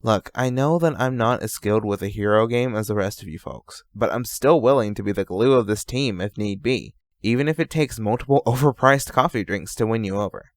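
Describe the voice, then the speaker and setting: A man's voice: lowish voice, brisk, few pauses, no echo, studio quality, lightly acted. A man playing an eager, chatty young hero, a friendly joker, in an amateur audio drama.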